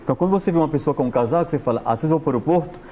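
A man's voice: fairly high pitch, racing, warm tone, a little hiss or hum. Chatty man on a TV studio sofa. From Brazil. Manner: chatty, gesturing, frequent tag questions. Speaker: guest fashion stylist. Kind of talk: casual interview chat. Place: TV studio set, seated on sofa. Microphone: lapel.

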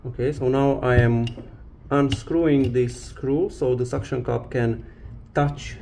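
A man presenting a hands-on repair tutorial, explaining step by step in short, halting phrases. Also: mid-range voice, fairly even intonation, gravelly, dark tone, a little hiss or hum. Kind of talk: hands-on instructional demonstration.

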